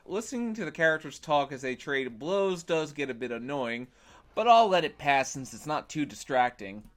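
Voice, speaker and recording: A man with a high, very animated voice narrates a scripted video game review. He is opinionated and drops in wry, sarcastic asides. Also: moderate pace.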